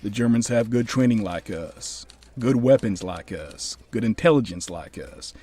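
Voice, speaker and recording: A man's voice: on the low side, expressive, normal speed, mellow, husky. A man playing a genial older American army officer in an audio drama, probing and commanding in a folksy, paternal way. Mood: grave.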